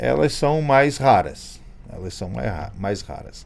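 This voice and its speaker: Using vocal fry and very wide pitch swings, a man speaks at a very slow pace. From southern Brazil, coastal Santa Catarina (Sombrio). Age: 40s. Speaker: pastor. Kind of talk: interview, casual chat.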